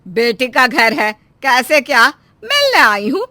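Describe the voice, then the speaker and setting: Nosy bride's mom in a cartoon, woman voicing her, high bright voice, loud and mocking. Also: very animated, slow, no echo, heavily acted. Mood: taunting. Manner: loud, taunting, dramatic. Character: sharp-tongued middle-aged mother of the bride, meddling.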